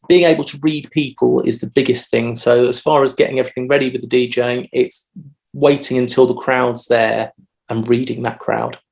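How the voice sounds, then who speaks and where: Gravelly-voiced man, measured. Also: mid-range voice, darkish tone. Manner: measured, frequent "um" fillers. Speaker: DJ and podcast guest. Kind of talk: casual interview answers. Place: home room on video call.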